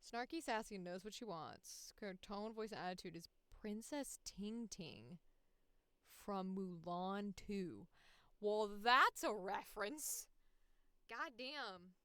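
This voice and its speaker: A woman's voice: medium pitch, expressive, takes it slowly, sharp tone, smooth, dry recording. A woman thinking aloud casually as she hosts a livestream, with a sweary, playfully sarcastic manner. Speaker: voice actor hosting a livestream.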